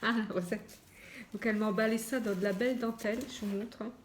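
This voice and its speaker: A middle-aged woman chatting casually as she unboxes and admires craft gifts, talking softly and often dropping to a hush. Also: medium pitch, steady tone, quick pace. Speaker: scrapbooking vlogger.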